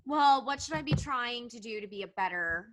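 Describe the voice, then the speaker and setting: Bright chatty woman hosting a podcast, dry close sound. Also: on the high side, expressive, no echo. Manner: chatty, quick with short interjections. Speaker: podcast host. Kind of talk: casual chat.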